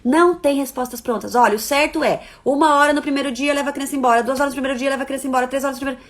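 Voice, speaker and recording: A woman with a somewhat high voice gives parenting advice on a live stream. She talks expressively, easing into soft, reassuring tones, then pressing hard on her points. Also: rapid-fire. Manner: expressive, swings from soft coaxing to emphatic. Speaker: parenting educator.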